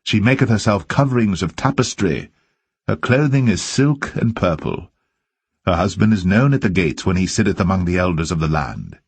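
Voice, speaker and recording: A man reading scripture aloud as solemn narration, with measured and deliberate phrasing. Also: sits low, lively intonation, breathy edge, no room sound. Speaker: Bible reader.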